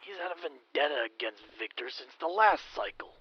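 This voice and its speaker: A man's voice: a little high, animated, brisk, breathy edge. A man acting as a troubled wrestler muttering to himself in an audio skit. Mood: puzzled, irritated. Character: troubled male wrestler brooding alone. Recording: muffled, faintly noisy audio clip.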